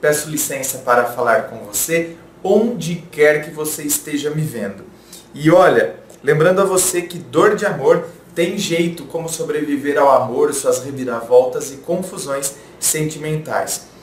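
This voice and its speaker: A man from the of São gives relationship advice in a calm, measured way. His voice sits slightly high for a man. It was recorded in a roomy space with a faint hiss behind it. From interior of São Paulo, Brazil. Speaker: relationship advice channel host. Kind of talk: advice talk, reading viewer letters aloud. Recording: roomy echo, faint background noise.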